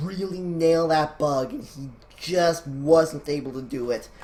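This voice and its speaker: Music plays behind a voice that moves at a very slow pace. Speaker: game commentator streamer. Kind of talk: live game commentary. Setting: live stream with face cam. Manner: mumbling.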